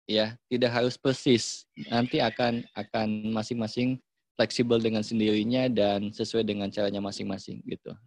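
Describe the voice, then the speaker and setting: A man with an Indonesian accent giving a casual online parenting talk, chatty and relaxed, acting out what parents and children say. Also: fairly low pitch, normal speed, dry recording. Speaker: parenting workshop speaker.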